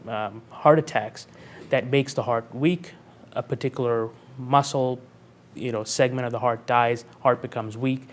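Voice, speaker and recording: Man in his thirties as a cardiologist guest, calm and measured, with a mid-range voice. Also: mid-range voice, slight background noise. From Pakistan, raised in North Carolina. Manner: calm, measured, explains clearly with analogies. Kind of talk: explanatory interview answers.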